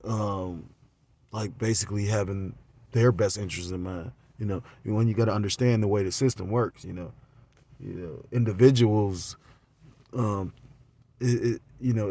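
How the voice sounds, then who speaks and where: A man with a deep voice gives a religious lesson recorded on his phone. He talks loosely and rambles, stacking up fillers. As he goes on he grows louder and more animated. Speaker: religious teacher.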